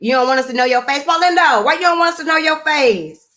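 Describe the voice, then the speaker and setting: A woman's voice: sits high, fast talker. A young woman with a Southern US accent, hosting a casual live stream, reading viewer comments, laughing often and drawing out words. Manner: animated, laughs often, drawls and drags words.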